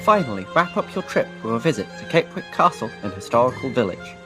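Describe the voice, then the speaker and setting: Lively male promo narrator over music. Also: mid-range voice, fast. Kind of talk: scripted tourism-spoof promo narration.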